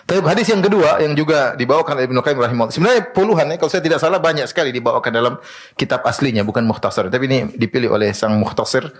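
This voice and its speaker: A man's voice: mid-range voice, rapid-fire. A man preaching a sermon to a women's study group, asking rhetorical questions and answering them himself. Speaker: Islamic preacher.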